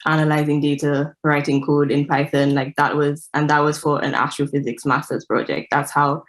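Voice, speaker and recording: Low-voiced young woman with a Saint Lucian accent. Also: level tone, moderate pace. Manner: frank, reflective, says "like" often. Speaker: guest analytics specialist. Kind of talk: casual interview answers.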